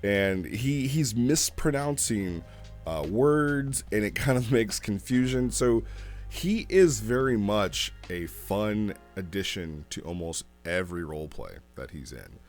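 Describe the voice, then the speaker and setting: A man's voice: fairly low pitch, animated, measured pace, faint music behind. A man giving a casual, rambling spoken review as a host, conversational and repeating phrases as he explains things. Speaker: host reviewing role-play logs.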